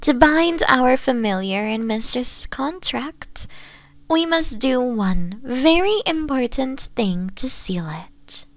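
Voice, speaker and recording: Woman voicing a slow, whispery possessive fox woman. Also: sits high, expressive, dry recording, exaggerated voice. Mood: solemn, seductive. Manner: soft, breathy, coaxing, often dropping into whispers. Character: possessive nine-tailed fox woman, doting, slightly crazed mistress. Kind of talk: intimate ASMR roleplay.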